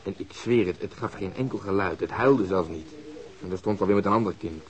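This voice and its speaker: An actor playing a blunt, hot-tempered police inspector in a Dutch radio drama. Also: male voice, sits low, a little fast, natural voice. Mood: grim, recounting. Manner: blunt, irritable, swearing. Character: gruff, hot-tempered police inspector who rescued fire victims.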